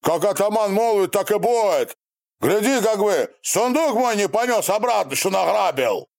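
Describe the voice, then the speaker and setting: A male narrator voicing a burly peasant with a bruised cheek who shouts in rough rustic speech. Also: high voice, animated, normal speed, pitched above the performer's own voice. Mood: angry.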